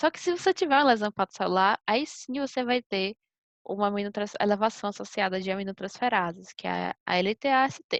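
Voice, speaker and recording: A woman speaks at a fairly quick pace in a medium pitch, with ordinary pitch variation. The sound is dry and close with no echo, over a quiet background. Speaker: medical student presenter. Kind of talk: online lecture. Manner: fast; halting, many restarts.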